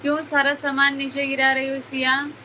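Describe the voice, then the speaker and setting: A woman's voice: high voice, completely flat delivery, normal speed, bright, forceful tone. A woman hosting a casual live stream from home, chatting with viewers and greeting them by name. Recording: noisy home ambience behind the voice.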